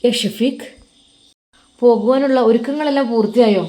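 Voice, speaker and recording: A woman's voice: a little high, normal speed, dark tone, voice pushed up, natural voice. A woman voicing a generous Arab male employer who keeps coaxing with friendly questions.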